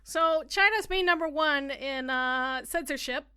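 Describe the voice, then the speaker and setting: Brief: young woman co-host, high and bright, sweary and playful banter. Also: a little slow. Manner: profane, playful, excitable. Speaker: podcast co-host. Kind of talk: casual chat.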